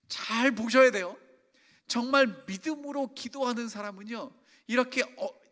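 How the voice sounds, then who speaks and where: Male senior pastor, emphatic sermon full of questions to the pews, bright and tense tone. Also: very high voice. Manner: emphatic, asks the congregation questions. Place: church sanctuary. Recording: long church reverb.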